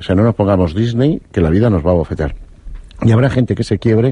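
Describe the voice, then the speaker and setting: A man with a dark, mellow, somewhat breathy tone talks at a very fast pace with lively intonation, the sound dry and close with no echo against a quiet background. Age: 50s. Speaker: psychologist. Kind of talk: interview. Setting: studio with live audience.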